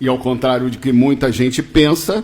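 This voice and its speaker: This is a man speaking at a medium pitch. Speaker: radio host and interviewer. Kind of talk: radio interview.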